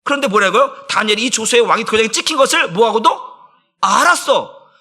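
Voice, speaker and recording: A man's voice: high voice, expressive, fairly quick, bright, forceful tone, breathy edge. A male pastor preaching a sermon with passion, putting many rhetorical questions to his congregation.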